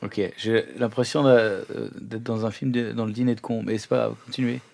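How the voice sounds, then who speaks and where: A man's voice: medium pitch, little pitch movement, fairly quick, gravelly, darkish tone, lightly acted. A man playing a suspicious, fanciful captive in an improvised audio role-play, blunt and mocking in everyday slang. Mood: incredulous. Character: suspicious, cheeky, fanciful green male captive.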